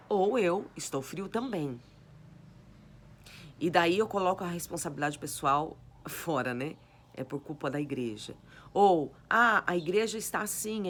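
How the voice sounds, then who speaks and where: A woman preaching a sermon with a hoarse, cracked voice, exhorting her listeners with repeated rhetorical questions. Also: sits low, slight background noise. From Brazil. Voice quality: raspy, cracked voice.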